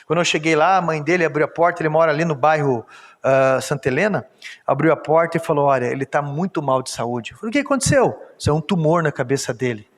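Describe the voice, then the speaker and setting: A man's voice: a little high, fast talker. Pastor man preaching in a reverberant church. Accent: Brazilian Portuguese. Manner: storytelling testimony, rising to emphatic exhortation. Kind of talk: sermon. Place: church sanctuary.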